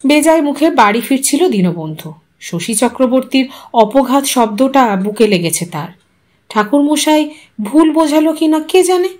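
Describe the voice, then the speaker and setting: A woman's voice: sits high, expressive, measured pace, darkish tone. A woman storyteller reading a scripted literary audio story expressively. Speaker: storyteller, channel narrator.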